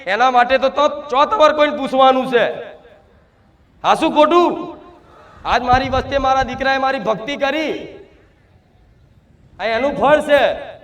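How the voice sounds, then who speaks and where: A man, speaking loudly as a spirit medium in a trance sermon to devotees, full of repetition and rhetorical questions. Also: very high-pitched, normal speed, long pauses, muffled recording. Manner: loud, shouting, declamatory.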